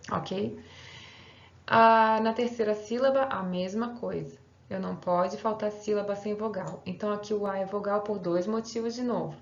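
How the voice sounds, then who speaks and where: A woman teacher with a medium-pitched, darkish voice gives a recorded online grammar lesson, explaining patiently step by step and checking in with her students. It's a roomy, slightly dull home recording.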